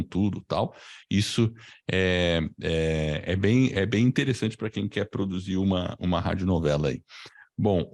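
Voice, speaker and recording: Low, gravelly-voiced Brazilian man hosting. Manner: informal, repeats tag questions. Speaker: host, podcasting teacher. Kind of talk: casual live online class chat and promotion.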